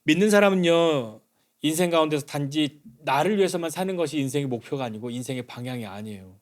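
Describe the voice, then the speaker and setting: Conversational male pastor preaching. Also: fast talker. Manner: conversational preaching, acts out quoted dialogue; drops to soft, low lines for emphasis. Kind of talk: Sunday sermon.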